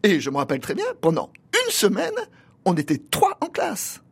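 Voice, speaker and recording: A man in his sixties from Paris, a pastor thinking aloud as an interview guest, with frequent pauses and restarts. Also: high voice, huge pitch swings, gravelly, breathy edge. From Paris, France. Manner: thoughtful, halting, many pauses and restarts. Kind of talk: reflective interview answers.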